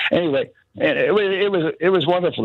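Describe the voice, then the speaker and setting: A man talking at a very fast pace. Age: 70s. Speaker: caller sharing memories. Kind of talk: casual chat. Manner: rambling, halting.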